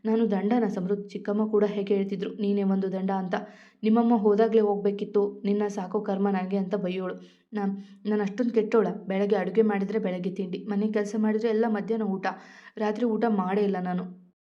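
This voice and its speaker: Woman doing a hurt young wife, pleading, tearful, kinda flat, muffled sound. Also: mid-range voice, a little fast, close to an everyday voice. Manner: pleading, emotional storytelling reading. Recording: dull lo-fi audio.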